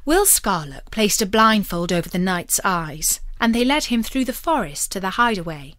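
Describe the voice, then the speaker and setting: A woman narrating a storybook tale in a measured, expressive scripted delivery. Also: medium pitch, dry recording, studio quality.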